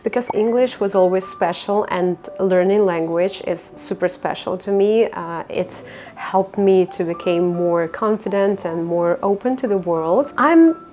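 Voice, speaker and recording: A chatty woman in her thirties with a Russian accent talks in a casual personal vlog. Her medium-pitched, darkish voice moves at a measured pace, reflective and full of fillers and non-native phrasing, with faint music in the background.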